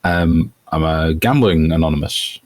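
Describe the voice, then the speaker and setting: A voice actor from Europe in a casual interview, talking thoughtfully with many restarts. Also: male voice, a bass voice, a little slow, darkish tone, no echo. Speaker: voice actor guest.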